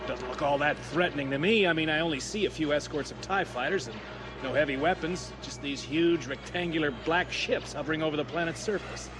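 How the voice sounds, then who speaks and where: Cocky, wry star pilot played by an actor. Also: male voice, fairly high pitch, fairly quick, music in the background, lightly acted. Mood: skeptical. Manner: casual, wry. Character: cocky, skeptical star pilot general, protective husband. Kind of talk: audio drama acting over orchestral score.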